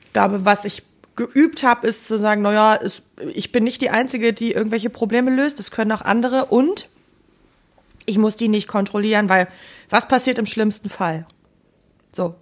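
A woman on a casual podcast speaks in a measured, thoughtful way. Her voice is mid-pitched and plain. She weighs her words as she goes. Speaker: podcast co-host. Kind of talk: casual chat.

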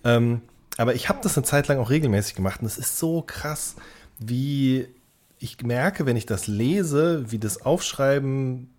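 Speaking at a measured pace, this male co-host has a medium-pitched, darkish, animated voice. His easygoing podcast talk is long-winded, full of self-corrections and restatements that orbit his point.

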